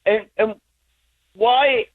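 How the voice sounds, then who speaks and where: A man's voice: high voice, steady tone, extremely slow. A man in his sixties calling in to a radio show over the phone, ranting heatedly. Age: 60s. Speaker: caller. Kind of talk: call-in radio rant. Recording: tinny phone line.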